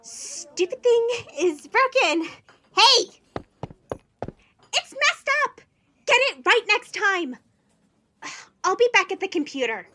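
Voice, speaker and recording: Shrill, very high-pitched spiteful stepsister. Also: female voice, big pitch swings, slow pace, pauses often, bright, forceful tone, heavily acted. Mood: petulant. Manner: sugary, whiny, taunting.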